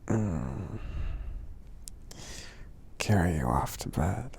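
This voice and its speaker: A man voicing a gentle, sleepy, affectionate giant in a soft-spoken ASMR roleplay, murmuring slowly and hesitantly in a gravelly half-whisper. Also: deep voice, big pitch swings, slight background noise, exaggerated voice. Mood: drowsy, affectionate. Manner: slow, hesitant, murmuring with frequent hums.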